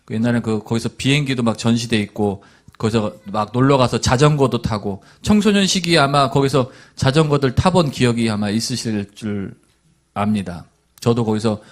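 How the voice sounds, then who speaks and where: A man preaching a sermon as a pastor, telling a story in a chatty way with asides and chuckles, and now and then rousing the congregation. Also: mid-range voice.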